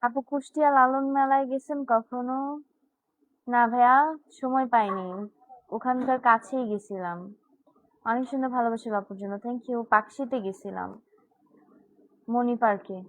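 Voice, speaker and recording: A woman's voice: on the high side, steady tone, normal speed, pauses often, low-quality recording. A teenage girl from Bangladesh hosting a live stream, chatting casually and answering viewer comments one by one. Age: teens.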